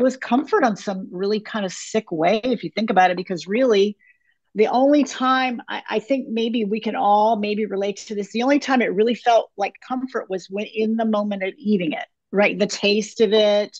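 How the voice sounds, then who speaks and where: A woman's ordinary speaking voice at a fairly high pitch, with ordinary pitch variation and a moderate pace, dry and close with no echo. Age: 60s. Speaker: podcast guest sharing recovery story. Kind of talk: interview testimony.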